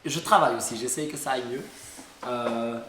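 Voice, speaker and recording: A man's voice: mid-range voice, normal speed, a bit bright, roomy sound, slight background noise. A man from Belgium with a Liège accent, hosting a casual nutrition cooking show, talking with many fillers and now and then bursting into emphatic exclamations. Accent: Belgian French, Liège. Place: kitchen with people around.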